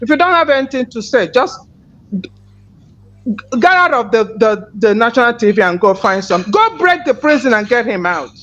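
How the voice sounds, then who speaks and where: A woman's voice: a little high, sing-song, moderate pace, a bit bright. A woman host, confronting a caller in heated call-in commentary and firing repeated questions. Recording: dull lo-fi, faint noise.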